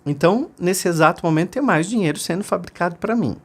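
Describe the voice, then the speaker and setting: A man with a Brazilian Portuguese accent giving a motivational self-help talk, animated and storytelling. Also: sits high, quick pace, slightly rough. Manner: animated storytelling, acts out voices in his stories.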